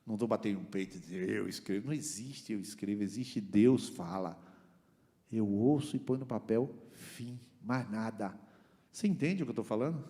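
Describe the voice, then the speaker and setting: A man preaching a church sermon. He swings from loud, high exclamations to quiet, low asides and keeps asking the congregation questions. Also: fairly quick, long reverb tail. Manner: talks straight to the congregation with rhetorical questions. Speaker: pastor.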